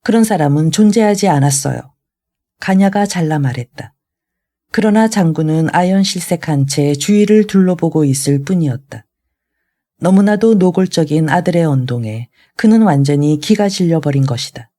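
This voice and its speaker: An audiobook reader narrating a classic novel aloud in a steady, even way. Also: medium pitch, moderate pace.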